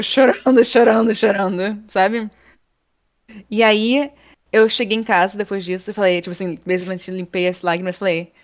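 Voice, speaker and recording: Woman telling a lively story. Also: mid-range voice, dry recording, studio quality. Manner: animated, acts out quoted people, laughs often. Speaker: interview guest, game art professor. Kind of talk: casual storytelling in an interview.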